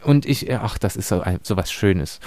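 A man's voice: lowish voice, lively intonation, moderate pace, a little mellow, dry recording. A man in a casual book discussion, arguing his view as a podcast panelist.

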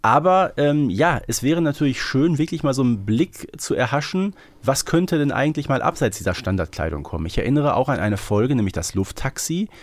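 A man's voice: mid-range voice, lively intonation, fairly quick, hardly any pauses, no echo. A man co-hosting a podcast, talking casually and loosely with frequent tag questions. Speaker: podcast co-host. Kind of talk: casual conversational podcast discussion.

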